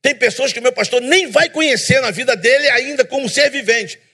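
A man preaching a sermon in a church, emphatic and animated, with self-deprecating humor. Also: very high-pitched, fairly quick, slightly rough.

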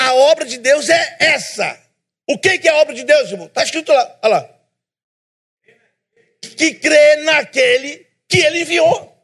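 A man preaching a sermon in a church, emphatic and animated, with self-deprecating humor. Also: sits high, slightly rough.

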